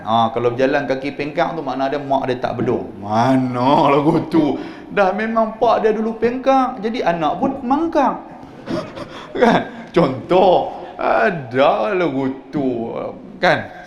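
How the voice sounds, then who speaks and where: A man with a northern Malay accent teaches scripture to a mosque congregation. He tells stories with humour and keeps asking his listeners questions, in a voice pitched somewhat high for a man. The live-stream audio rings with the echo of a large hall over a faint background hum. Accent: Northern Malay (Kedah-Penang). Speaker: religious teacher. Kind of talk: mosque sermon-lecture on Quran commentary.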